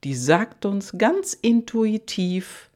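A coach giving a motivational monologue straight to the listener, with repeated soft phrases, frequent fillers and self-corrections. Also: mid-range voice, sing-song, takes it slowly.

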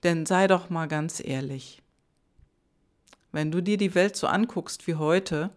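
Unhurried chatty woman podcaster. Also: lowish voice. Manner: chatty, direct address to the listener, rhetorical questions. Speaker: podcast host. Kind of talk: solo podcast monologue.

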